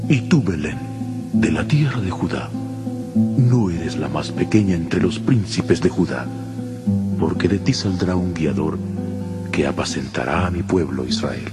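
An actor playing a grave prophet proclaiming scripture in a declamatory way, in a dramatized Bible. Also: male voice, low voice, lively intonation, measured pace, long pauses, loud music behind the voice.

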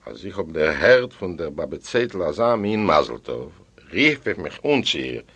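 A man reading a story aloud as an audiobook narrator, lively and dramatic, voicing the characters with big swings in pitch and loudness. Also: normal speed, slightly rough. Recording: library recording from the 1980s or 1990s.

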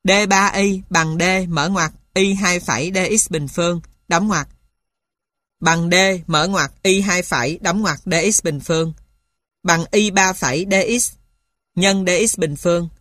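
A woman reads a mathematics textbook aloud as scripted narration, dictating and spelling out formulas and punctuation symbol by symbol. Her fairly bright voice sits on the low side at a measured pace, in studio quality with no echo.

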